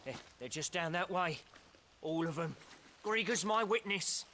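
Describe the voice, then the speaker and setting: Scared snivelling traitor in a game, voice way up high, halting n pleading, faint noise. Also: male voice, lively intonation, sharp tone, heavily acted. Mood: nervous, eager. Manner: stammering, pleading. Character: frightened, grovelling male turncoat informant. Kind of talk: video game cutscene voice acting.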